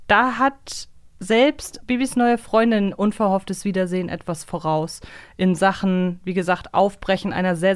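A woman's voice: medium pitch, clean tone, dry recording, clean studio sound. A woman co-hosting a casual podcast discussion, speaking reflectively and weighing her opinions. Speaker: podcast co-host.

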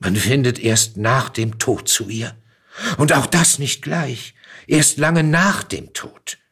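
A man's voice: medium pitch, slow pace, a bit bright, slightly rough, pitched above the performer's own voice, heavily acted. A man voicing a proud dead old poet in a literary reading, lecturing in an emphatic, declamatory way. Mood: lecturing, reflective. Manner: declamatory, insistent.

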